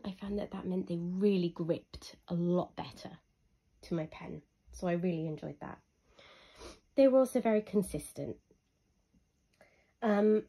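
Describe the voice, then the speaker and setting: Husky woman, chatty and mellow. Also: medium pitch. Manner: chatty and unhurried, with frequent ums. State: husky from illness. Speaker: hobby reviewer. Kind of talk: casual product review voice-over.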